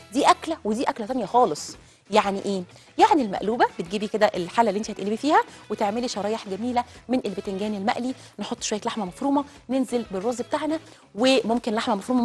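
A woman with an Egyptian accent hosting a TV cooking show, chatting straight to viewers as she cooks in a studio kitchen. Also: fairly high pitch. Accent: Egyptian Arabic. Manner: chatty, addresses viewers directly. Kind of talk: live cooking demonstration.

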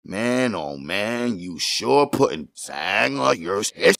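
A deep-voiced man voicing a brash young male robber who talks in loud, excited slang. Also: slow pace, creaky, no echo, heavily acted.

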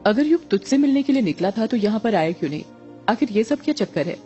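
A woman's voice: fairly high pitch, animated, fast talker, warm tone, lo-fi sound, soft background music, close to an everyday voice. Woman voicing a stern scheming witch mother. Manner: scolding, commanding.

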